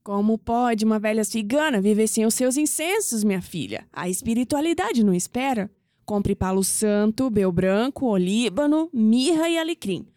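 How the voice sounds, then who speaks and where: An actress playing a frail, affectionate old gypsy grandmother in an audio drama, speaking softly and tenderly. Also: fairly high pitch, expressive, moderate pace, no room sound, clean studio sound, natural voice. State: coughing, frail. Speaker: grandmother character.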